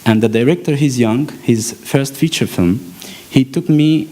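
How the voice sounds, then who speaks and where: A man from Palestine, giving an earnest conference talk, often pausing and restarting as he searches for words. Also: mid-range voice, warm tone, poor audio. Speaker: actor and panel speaker. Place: conference hall stage.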